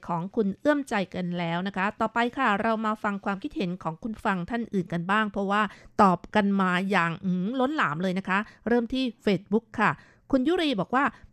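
Smooth-voiced woman radio host. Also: medium pitch, a little fast, hardly any pauses, no echo. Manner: lively, reads quoted comments with emphasis. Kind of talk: radio talk show, reading listener comments aloud. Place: radio studio.

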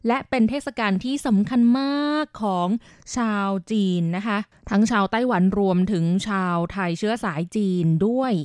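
A woman radio DJ hosting a scripted magazine show, explaining at length in a polite manner with frequent soft polite particles. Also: medium pitch, no room sound, studio quality. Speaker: radio DJ and host.

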